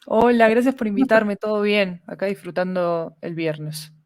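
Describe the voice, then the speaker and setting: A woman speaks as an interview guest. Her voice is crisp and smooth, and she explains things in an articulate, conversational way. The sound is close and dry. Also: mid-range voice, normal speed, no room sound. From Argentina. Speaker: guest, fiction podcast director.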